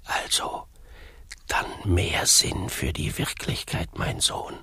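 An actor in a satirical radio play, playing a worldly, scheming Catholic priest with an unctuous, paternal, probing manner. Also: male voice, slow pace, pushed and bright, no echo, in a whisper. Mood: scheming, hushed.

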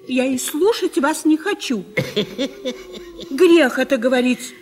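An actress playing a kindly, pious old country housewife in a radio play, fretful and fussing. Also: female voice, high-pitched, takes it slowly, faint music behind. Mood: fretful scolding. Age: older. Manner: fussing, gently scolding.

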